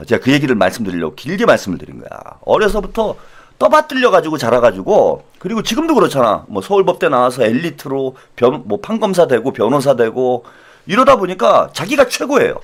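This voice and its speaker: Animated man doing a satirical monologue. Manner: animated, self-mocking, jumps between low asides and loud mock-quotes. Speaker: channel host.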